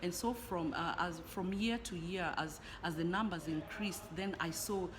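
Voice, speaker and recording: A woman from Kenya who is a guest in an interview, answering in an earnest, steady way and repeating words as she thinks. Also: lowish voice, moderate pace. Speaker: network marketing leader, guest. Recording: noisy hotel lobby.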